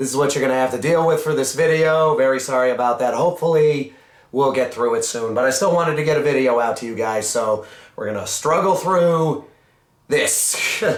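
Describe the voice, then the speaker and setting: Audible room echo surrounds a man who speaks at a fairly quick pace, his fairly high pitch showing ordinary variation. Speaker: YouTube horror movie reviewer. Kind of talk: casual monologue. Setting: filming at a friend's house, not usual location. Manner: hesitant, many fillers.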